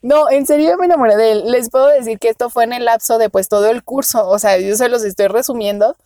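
Talking fast in a warm, fairly high voice, a young podcast co-host with a Mexican accent shares a dating story in casual chat. She laughs often and squeals whenever she quotes herself.

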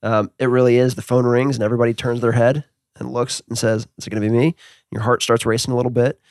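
Male podcast host, mid-pitched, gravelly, dry studio sound, easygoing questions. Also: flat delivery, quick pace, a little mellow, no room sound. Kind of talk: casual interview.

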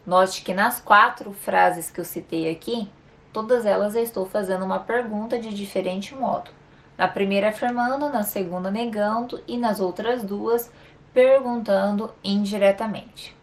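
A woman teaching a short Portuguese grammar lesson on her video channel, explaining clearly and acting out example shouts. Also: mid-range voice, moderate pace. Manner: clear, didactic, with acted example exclamations.

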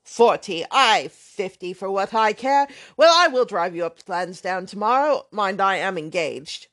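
A woman voicing a boastful, blustering young man, loud and emphatic. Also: mid-range voice, animated, unhurried.

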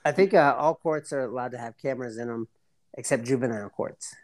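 A man explaining things in casual podcast chat, halting, with slangy, profane frat-bro talk. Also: medium pitch.

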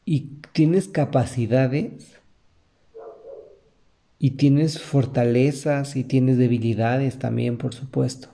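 A Mexican man hosts a podcast in an earnest, motivational monologue, addressing the listener directly. His voice is very dark and mellow, and he takes his time with each phrase. His pitch sits in the middle range for a man. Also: fairly even intonation, takes it slowly, gravelly. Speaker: podcast host.

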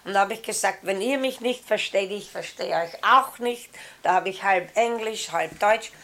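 Ältere Frau mit mittlerer Stimmlage erzählt schlicht. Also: female voice, mid-range voice, moderate pace, a bit bright. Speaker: emigrant interviewee. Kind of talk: casual spoken recollection.

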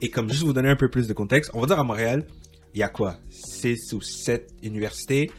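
A podcast host runs a casual soccer interview, rambling with many restarts and fillers and laughing often. His voice is mid-range and a little fast, with faint music behind it.

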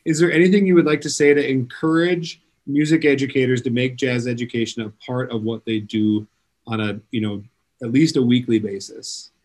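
Casting: courteous male host, mid-pitched, asks careful questions. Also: steady tone, fairly quick, a little mellow. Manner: polite and apologetic questioning. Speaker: interviewer. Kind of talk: interview questions.

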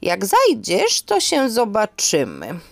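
A woman voicing a grumbling, folksy elderly aunt in an audio drama, scolding yet affectionate, with exclamatory, drawn-out speech. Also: mid-range voice, huge pitch swings, creaky, dry recording, faint music behind, voice pushed up, exaggerated voice. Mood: brisk, affectionate.

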